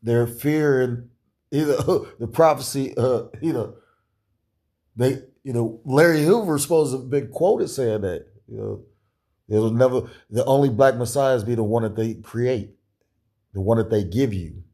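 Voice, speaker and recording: Rambling man with a dark, deep voice. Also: measured pace. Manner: rambling, many restarts and fillers, chuckles often. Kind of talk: casual conspiratorial chat.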